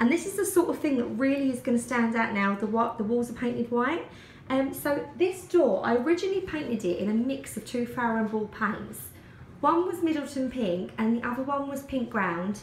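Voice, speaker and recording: With audible room echo and light background noise, a woman speaks at a high pitch. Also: moderate pace. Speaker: home decor vlogger. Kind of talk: casual vlog chat. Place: kitchen. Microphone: phone near.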